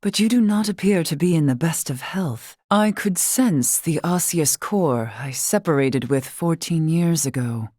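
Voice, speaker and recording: Brief: dignified older female tribal chief in a fantasy game. Low register, stately old-fashioned phrasing, dry studio sound. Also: a little mellow, no echo. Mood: composed, welcoming. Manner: formal, archaic, measured, stately diction. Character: dignified older woman, wise tribal leader and warrior. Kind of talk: scripted video game voice acting.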